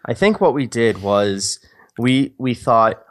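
A man's voice: medium pitch, sing-song, slow pace. A man co-hosting a podcast, chatting casually and reading a screenplay aloud, with a self-mocking, profane way of talking. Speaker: podcast co-host.

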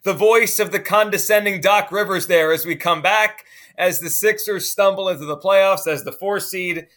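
A man hosting a sports betting podcast, energetic and incredulous. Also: high voice, moderate pace. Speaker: podcast host. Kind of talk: casual chat.

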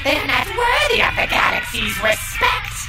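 Shrieking, gravelly, scornful alien villain. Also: extremely high pitch, sing-song, moderate pace, full character voice. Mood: scornful outrage. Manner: theatrical, declamatory ranting. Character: bitter, ranting alien villain, scornful of heroes. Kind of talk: exaggerated cartoon villain acting. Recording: echoey, far, loud music behind.

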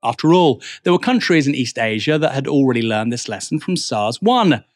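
A man's voice: medium pitch, expressive, fairly quick, dry recording. A male news host delivers scripted presentation in a mid-range voice. The sound is very dry, with no room around it.

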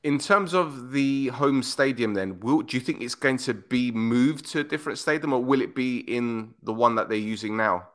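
A man's voice: mid-range voice, normal speed, hardly any pauses, a bit bright. A man interviewing a guest about football, chatty and informal, rewording his questions as he goes. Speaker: interviewer, host.

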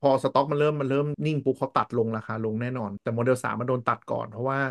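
A Thai man hosting a casual podcast, firing off his words at a quick clip. He talks bluntly, swears freely and slips into other people's voices when he quotes them. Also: mid-range voice, steady tone, gravelly. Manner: fast, blunt and profane, acts out quoted voices. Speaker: podcast host. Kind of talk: casual tech podcast chat.

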